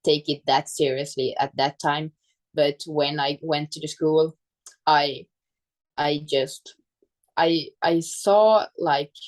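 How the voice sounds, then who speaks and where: A woman with a low voice and a Finland-Swedish accent talks as a guest in a casual interview. She goes slowly, halting to find her words in English, which is second to her native Swedish. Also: fairly even intonation, poor audio. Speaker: guest, fitness coach.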